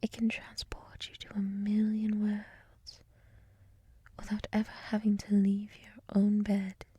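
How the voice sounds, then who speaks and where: A woman playing a gentle, wise monster lady in an ASMR roleplay, whispering softly in a soothing, reflective, encouraging way, close to the mic. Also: medium pitch, completely flat delivery, slow pace, no echo. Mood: gentle, wistful. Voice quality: soft, breathy whisper. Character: gentle, wise monster woman with many eyes, hotel resident. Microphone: close mic, dry.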